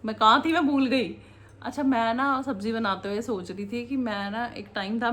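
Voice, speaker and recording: Slight background noise accompanies a mid-range female voice as this mother and vlogger cooks in her home kitchen, chatting casually, rambling, and laughing often.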